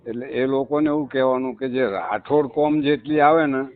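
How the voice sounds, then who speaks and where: A man's voice: mid-range voice, normal speed. A man, a caller on a phone call, talking insistently and repeating his points with emphasis. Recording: tinny phone call recording.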